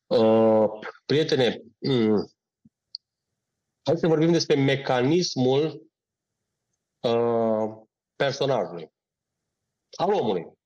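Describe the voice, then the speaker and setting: A man's voice: mid-range voice, expressive, pauses often, darkish tone. A man, an acting teacher on a podcast, explaining in a didactic way, listing steps and checking in with his listener. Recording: dull lo-fi sound.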